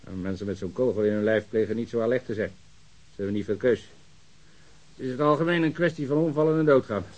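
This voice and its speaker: A man's voice: medium pitch, quick pace, darkish tone, close to an everyday voice, poor audio. A man playing an overworked, sardonic police ballistics technician who grumbles and complains in a radio drama. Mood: dry, sardonic.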